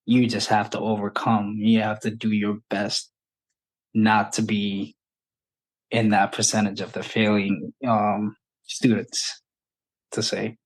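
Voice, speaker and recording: A man in his thirties from Ethiopia, talking as a podcast guest. He speaks slowly and evenly, with little rise and fall in his somewhat low voice, and he pauses often to gather his thoughts. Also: completely flat delivery, low-quality recording. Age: 30s. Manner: unhurried, thoughtful, restarts often. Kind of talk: casual interview.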